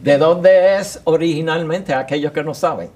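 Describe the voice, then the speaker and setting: A man with a Puerto Rican accent hosting a Catholic radio talk show, speaking haltingly with many fillers. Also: fairly high pitch, a little mellow. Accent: Puerto Rican Spanish. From Puerto Rico. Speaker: radio host.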